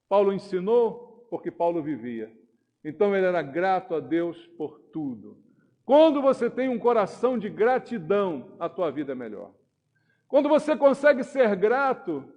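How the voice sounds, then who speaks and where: A man preaching a sermon in Brazilian Portuguese, emphatic, with sharp rises and falls for stress. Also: high voice, dull audio. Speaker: pastor.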